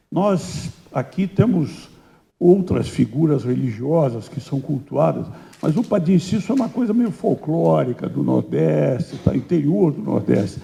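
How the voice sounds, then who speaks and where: A man, interviewing a writer conversationally in an auditorium, with a halting delivery. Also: mid-range voice, creaky, dark tone. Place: indoor auditorium, live event.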